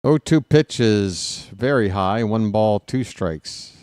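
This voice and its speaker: A man's voice: on the low side, slow pace, smooth, no room sound, studio quality. A man in his late forties doing casual live play-by-play of a baseball game, mixing calls with wry, sarcastic asides and grumbling. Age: 40s. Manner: gets loud and animated when ranting. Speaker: fan play-by-play broadcaster.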